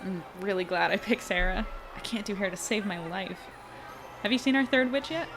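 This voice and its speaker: A woman's voice: mid-range voice, normal speed, noisy background, close to an everyday voice. An actress playing a friendly, talkative, wry young woman in a naturally acted audio drama. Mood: wry, playful.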